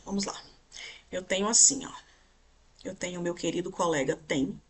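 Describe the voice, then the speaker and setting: A Brazilian woman teaching a grammar class, with a husky, breathy edge to her voice. She explains step by step and points things out on the slides. She keeps checking that the class is following along. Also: on the low side, moderate pace. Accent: Brazilian Portuguese.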